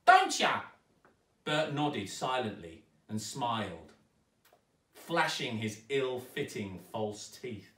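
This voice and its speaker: A man narrating a children's story aloud with dramatic, expressive delivery, recorded in a roomy space at some distance. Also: mid-range voice, slow pace. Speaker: storyteller, actor reading aloud. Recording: roomy echo, distant microphone.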